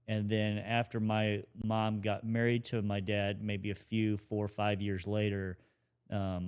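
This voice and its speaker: A man in his forties with a low, smooth, resonant voice talks casually as a podcast co-host. He rambles a little and restarts his sentences as he goes. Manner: relaxed, rambling with restarts and fillers. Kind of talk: casual conversational talk.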